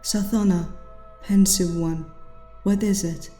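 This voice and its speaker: A woman's voice: mid-range voice, steady tone, slow, mellow, faint music behind, lightly acted. Earnest alien sister, acted by a woman, Eastern European accent. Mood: concerned. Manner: earnest, formal. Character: brave, caring young alien sister, earnest.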